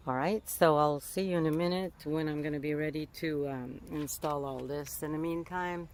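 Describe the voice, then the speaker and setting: A woman's voice: low-pitched, steady tone, moderate pace, a little mellow, slight background noise. A woman from Montreal with a Québécois French accent, a native French speaker, chatting casually as a vlogger and often searching for words and rephrasing. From Montreal, Canada. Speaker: vlogger documenting a van build. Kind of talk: casual vlog chat.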